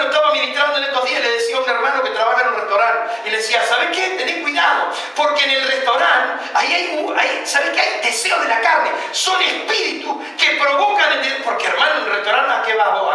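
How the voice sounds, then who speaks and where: A male preacher with an Argentine accent delivers his sermon with fervor, his voice pitched very high and sharply bright. He keeps turning to his listeners with pointed questions. The sound is roomy and echoing, picked up from some distance in a church hall with faint noise behind. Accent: Argentine Spanish. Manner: impassioned, addresses listeners as brother, rhetorical questions.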